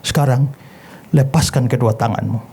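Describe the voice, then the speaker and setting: A man voicing God speaking calmly and in measured terms in a lowered voice. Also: creaky, husky. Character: calm God speaking from above.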